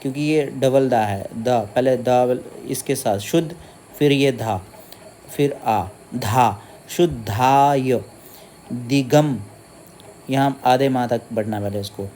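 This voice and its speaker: Teaching a Sanskrit stotram, a man breaks each word into syllables, then chants it slowly and melodically. He poses his own questions and answers them. His voice is mid-range and mellow, with slight background noise.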